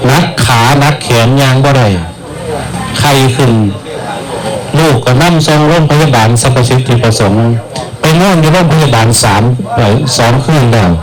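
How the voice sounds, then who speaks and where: Isan-accented monk telling a folk sermon. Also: male voice, mid-range voice, rough recording. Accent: Isan (northeastern Thai). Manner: lively storyteller acting out quoted voices, calls for blessing. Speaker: abbot preaching at a merit-making ceremony. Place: village merit-making ceremony.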